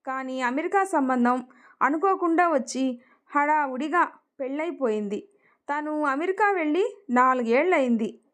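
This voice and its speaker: A woman reading the lines of a talkative middle-aged woman chatting in a friendly way with old neighbours. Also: high-pitched.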